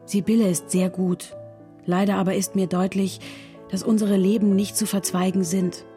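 A woman's voice: mid-range voice, level tone, moderate pace, warm tone, soft background music, natural voice. A woman playing a melancholy nineteenth-century woman reading out her letter to a confidante in a dramatic reading. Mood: troubled, resigned.

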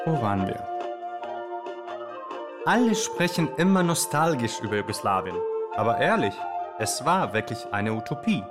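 Radio play host played by a man: bossy, excitable, mid-pitched, talking straight to listeners. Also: normal speed, long pauses, over loud music, lightly acted. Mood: reflective, explaining. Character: excitable, bossy male radio show host of Balkan identity. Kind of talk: scripted radio show monologue and banter.

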